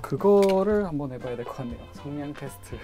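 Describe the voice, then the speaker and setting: A man of thirty explains technical matters in a casual way, as a setup technician would. His voice sits a little high for a man, with music clearly audible behind it. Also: expressive, fairly quick. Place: indoors, small studio room.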